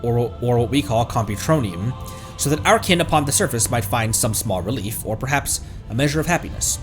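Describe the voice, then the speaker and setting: A man's voice: medium pitch, lively intonation, fairly quick, music in the background. A man streaming a video game, reading its text aloud with asides and stumbling over long words.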